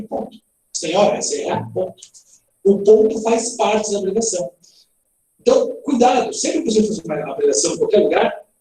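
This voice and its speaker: A man teaches grammar in a lively, playful manner and keeps tossing questions to his students. His voice swings widely in pitch and has a soft, mellow tone. He is heard from a distance in a very echoey room, with faint background noise. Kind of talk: recorded online grammar lesson. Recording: roomy echo, heard from a distance.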